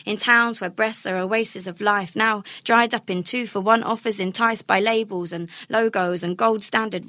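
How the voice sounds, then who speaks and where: A woman's voice: medium pitch, fairly bright tone, no room sound, clean studio sound. A young woman performing rhyming spoken word poetry in an emphatic, indignant, cadenced delivery.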